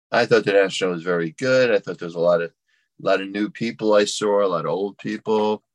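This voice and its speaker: A man with a normal speaking voice, fairly low in pitch with ordinary pitch variation, at a fairly quick pace, in a dry, close sound with no echo against a quiet background. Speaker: hobby veteran. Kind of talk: casual chat.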